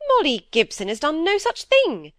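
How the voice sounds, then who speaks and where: A woman voicing a severe, brisk elderly spinster who speaks in a commanding, impatient way. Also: a little high, very animated, no echo, clean studio sound, voice pushed up. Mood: indignant.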